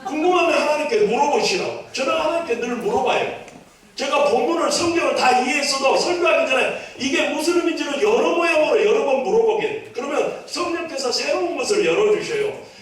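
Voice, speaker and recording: A man's voice: extremely high pitch, lively intonation, a little fast. A male pastor from Jeolla with a Jeolla Korean accent, preaching a sermon in a church. He is emphatic, repeats key phrases and calls for amens from the congregation. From Jeolla, South Korea. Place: church sanctuary. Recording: echoey hall, voice from far off.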